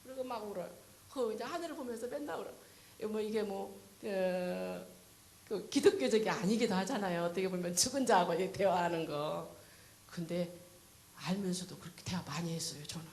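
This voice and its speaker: A woman's voice: medium pitch, brisk, darkish tone. A woman in her fifties, an evangelist, giving an earnest, emotional testimony sermon in a church. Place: church sanctuary. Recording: echoey church hall with faint hiss.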